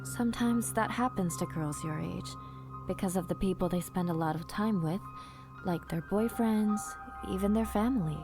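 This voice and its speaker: A woman playing a careful, concerned school counselor in an audio drama, gently probing and reassuring. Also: mid-range voice, moderate pace, music in the background, lightly acted.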